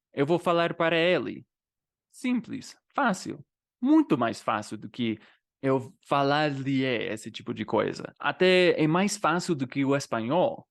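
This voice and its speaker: A man whose first language is English, speaking Brazilian Portuguese with an English accent and casually explaining to learners, often adding little tag questions. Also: mid-range voice. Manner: conversational, frequent tag questions. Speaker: language teacher and vlogger.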